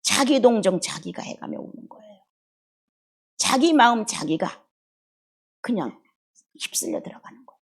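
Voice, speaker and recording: Middle-aged female preacher, husky delivery, emotional sermon with wide swings from bursts to near-whispers. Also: a little high, expressive, moderate pace, long pauses. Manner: emotional, swings between loud outbursts and hushed murmurs. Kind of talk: expository sermon.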